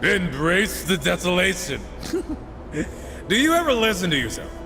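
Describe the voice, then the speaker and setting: Cocky, high-pitched wisecracking horseman. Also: very animated, a little slow, music in the background, exaggerated voice. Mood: sarcastic. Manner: sarcastic, flippant, teasing. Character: cocky, wisecracking male horseman, younger-sounding brother. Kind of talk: video game cutscene acting.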